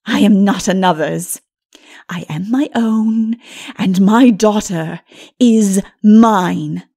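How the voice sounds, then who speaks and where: A woman voicing a proud, tyrannical princess in a dark fantasy audiobook, with a forceful, haughty delivery. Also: medium pitch, slow pace, creaky, pitched below the performer's own voice. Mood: proud, possessive. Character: defiant proud wicked princess, tyrannical and unrepentant.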